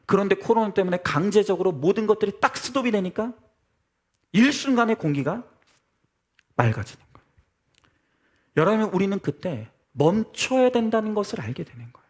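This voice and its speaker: A male pastor delivers a Sunday sermon in church, leaning on rhetorical questions and direct address to the congregation. His voice sits high for a man and swings widely in pitch as he preaches with earnest conviction. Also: very animated, normal speed, long pauses. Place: church service.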